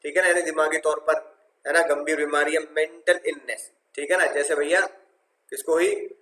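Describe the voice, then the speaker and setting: Man, tax lecturer, bright voice, quizzes himself for the students, echoey room. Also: fairly high pitch, fairly even intonation, moderate pace. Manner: asks himself questions and answers as the students; many "है ना" and "right" check-ins. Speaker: tax teacher. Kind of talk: lively lecture with stories and call-and-response.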